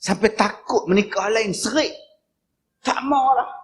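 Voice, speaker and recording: A man with a northern Malay dialect giving a humorous religious lecture as a preacher, telling stories with sudden loud high bursts. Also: unhurried, a little hiss or hum.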